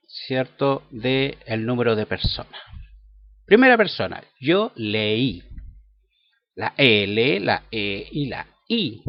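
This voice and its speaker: Slow-talking man teaching English. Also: mid-range voice, dry recording. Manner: slow, careful, spells words letter by letter. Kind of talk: bilingual language lesson. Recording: dull lo-fi sound.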